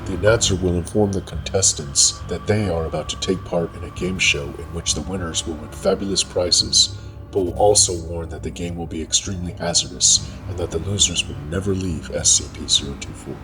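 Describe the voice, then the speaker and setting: Low-voiced man reading a formal case file. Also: rough recording. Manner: measured, formal document-reading delivery. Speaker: narrator. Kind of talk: scripted narration of a horror fiction case file, ASMR. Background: music.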